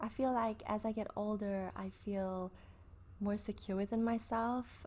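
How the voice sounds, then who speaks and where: Her tone is dark and mellow. This woman speaks at a fairly slow pace with monotone, flat intonation. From South Africa. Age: 30s. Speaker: podcaster. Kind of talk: personal storytelling, casual chat. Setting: at home on couch, on camera. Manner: hesitant, many fillers.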